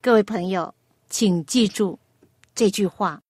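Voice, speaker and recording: A woman hosting a children's radio program, asking a young guest patient, coaxing questions and telling a gentle story. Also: medium pitch, unhurried, breathy edge, no room sound, studio quality.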